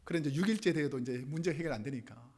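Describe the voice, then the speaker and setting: A man's voice: fairly high pitch, fast talker, a little mellow, husky. A male pastor preaching a sermon, telling a story and acting out quoted prayers, his intensity rising and falling.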